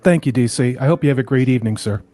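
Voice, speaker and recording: A man's voice: medium pitch, very fast, warm tone, dry recording. A man hosting a casual livestream chat in a polite, appreciative way. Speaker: host.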